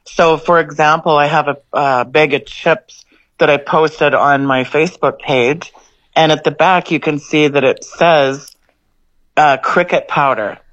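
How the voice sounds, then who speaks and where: A woman's voice: low voice, steady tone, a little slow, fairly bright tone. A woman co-hosting talk radio talks in an emphatic, urgent way, pressing her warnings onto the listeners. Her voice carries a slightly muffled, dull sound. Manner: emphatic, conspiratorial.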